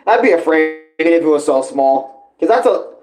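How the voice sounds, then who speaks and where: Casual, higher-voiced man rambling in reaction. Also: animated, normal speed, darkish tone, soft background music. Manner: rambling, informal, often addressing others as bro or dude. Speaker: live reaction host. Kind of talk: casual reaction commentary with slang and swearing.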